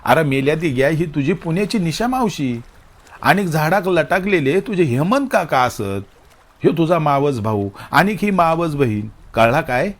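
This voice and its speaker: A man voicing a flustered middle-aged village aunt who speaks with a Malvani accent and scolds in a shrill, alarmed way. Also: expressive, normal speed. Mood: scolding.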